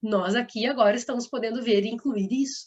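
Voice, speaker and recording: The delivery runs at a fairly quick pace. Its pitch varies an ordinary amount. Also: woman. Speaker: online course teacher. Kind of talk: online lecture. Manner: fast.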